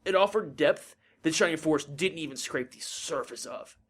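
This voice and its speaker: A man's voice: a little high, animated, normal speed, fairly bright tone. A man co-hosting a podcast, talking casually about games in an earnest, opinionated way. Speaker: podcast co-host. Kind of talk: casual gaming chat.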